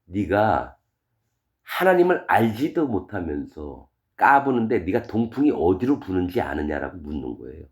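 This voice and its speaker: A male pastor preaching a sermon, reading verses and retelling them in plain, casual speech, full of rhetorical questions. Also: moderate pace. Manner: animated, wide swings in pitch and loudness. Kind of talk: expository sermon reading scripture.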